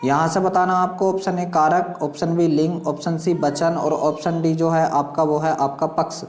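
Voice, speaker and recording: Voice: mid-range voice, little pitch movement, normal speed, a little mellow. A teacher explains a practice quiz, reading out questions and options and addressing learners directly with repeated instructional phrases. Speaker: exam coaching teacher. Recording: echoey room sound.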